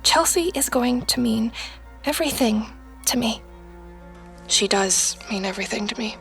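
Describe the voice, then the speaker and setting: Very high female voice, earnest and full of feeling. She plays an artistic dreamer in an audio drama, with faint music underneath. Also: lively intonation, moderate pace, vocal fry. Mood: earnest, emotional. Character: emotional mother and bored artistic teenage girl Lisa. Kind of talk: fiction podcast voice acting.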